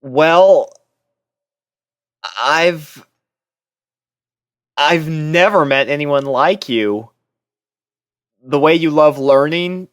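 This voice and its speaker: A man's voice: a little high, no echo, studio quality, voice pushed up. A man playing a bashful, earnest young student in love, speaking hesitantly and sincerely in fan fiction dialogue.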